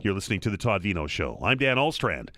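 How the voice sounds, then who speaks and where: A man's voice: lowish voice, very animated, fast talker, fairly bright tone, no echo, studio quality. A man hosting a call-in radio talk show, talking conversationally with frequent restarts, recovering from a slight cold.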